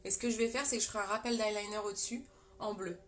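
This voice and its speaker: This young Frenchwoman, speaking with a French accent, races through her live makeup tutorial in a mid-range, fairly bright voice with fairly even intonation. There's slight background noise as she chats with viewers and reads their comments.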